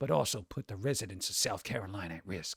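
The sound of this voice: Speaking very fast, a man puts on a raspy character voice with a fairly low pitch.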